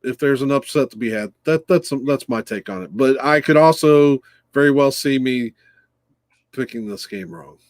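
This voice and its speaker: A man's voice: mid-range voice, normal speed, no room sound. A man co-hosting a casual football picks show, hesitant and easygoing, often chuckling. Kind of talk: casual sports chat.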